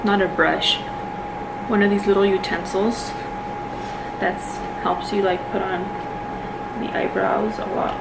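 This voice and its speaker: A woman with a Spanish accent talks through her makeup in a loose, chatty way, leaning on "like" and "you know". She sits away from the camera mic, so her voice sounds distant in the room. A clear air-conditioning hum runs under her the whole time. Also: medium pitch, flat delivery, a little slow, long pauses. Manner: chatty, filler-heavy, many "like"s and "you know"s. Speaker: beauty vlogger. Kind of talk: casual get-ready-with-me chat.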